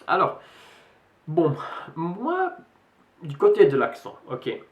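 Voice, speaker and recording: A man's voice: on the high side, wildly swooping pitch, slow pace, lo-fi sound. Hesitant English man speaking French, roomy sound. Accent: English speaker in French, slightly American-tinged. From England. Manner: hesitant, many fillers and restarts. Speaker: vlogger. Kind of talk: casual vlog talk to camera. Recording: roomy echo.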